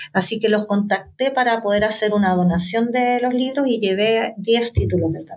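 A woman with a Chilean accent, fairly high-pitched, at a moderate pace. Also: ordinary pitch variation. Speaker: independent publisher and librarian. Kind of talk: interview.

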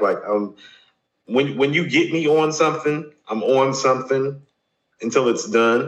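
A man with an American accent and a plain, everyday voice, at a moderate pace with ordinary pitch variation. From Atlanta, US South. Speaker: hip hop podcast co-host. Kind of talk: casual chat.

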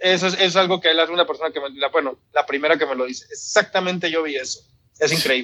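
Here a man speaks at a very fast pace in a fairly high pitch. His tone is bright and sharp, with ordinary pitch variation. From Mexico, Mexicali (Baja California). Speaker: golf coach. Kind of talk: interview. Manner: hesitant, repeats words.

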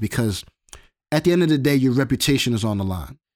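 A man with a New York accent is heard in a very clean recording with a silent background. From New York, Bronx. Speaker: videographer and media correspondent. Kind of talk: casual interview. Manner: casual slangy, uses filler phrases.

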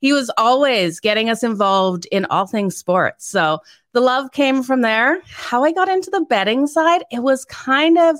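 A woman with an American accent speaks at a high pitch and a moderate pace, her pitch swinging very widely. The recording is very clean with a silent background. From Australia, later Canada. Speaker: sports betting analyst. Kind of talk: interview.

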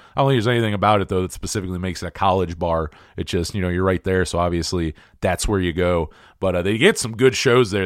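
Someone talks at a very fast pace with an American accent and ordinary pitch variation. The recording is very clean, with a silent background. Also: man. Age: 30s. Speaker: music podcast and radio host. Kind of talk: solo casual monologue. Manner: rambling with many fillers and restarts.

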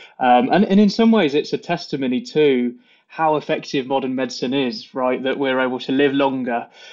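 A man with a British accent talks at a fairly quick pace, his fairly high voice carrying lively intonation. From UK. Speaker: hospital pharmacist researcher. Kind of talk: interview.

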